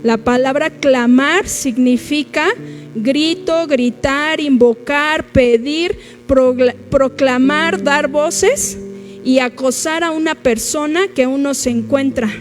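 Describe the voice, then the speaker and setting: A woman's voice: high voice, slow, soft background music. A woman with a Mexican accent preaching a sermon to her congregation, emphatic and direct, calling out to the listeners. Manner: emphatic, addresses the congregation directly, acts out quoted prayers. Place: church.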